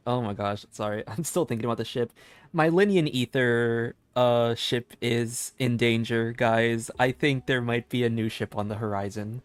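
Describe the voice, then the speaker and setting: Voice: medium pitch, steady tone, moderate pace, clear, resonant tone. A game streamer giving casual live commentary, giggly, rambling and enthusiastic.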